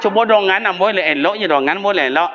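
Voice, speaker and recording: A man preaching a lively, humorous sermon in a village mosque, speaking, acting out the voices in his stories and putting questions to the congregation. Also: high voice, quick pace. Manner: animated storytelling, acts out voices, quizzes the congregation. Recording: dull lo-fi sermon recording with faint ambience.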